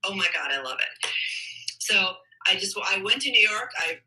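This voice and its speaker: Very bright, animated woman guest. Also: medium pitch, poor audio. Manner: animated storyteller, halting restarts. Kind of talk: casual livestream chat.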